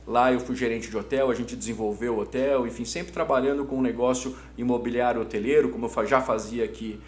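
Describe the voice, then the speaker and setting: A middle-aged Brazilian man answering conversationally as an interview guest, enthusiastic and emphatic, often repeating his words. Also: medium pitch. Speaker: interview guest, hotel business executive. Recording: roomy echo, audible background hum.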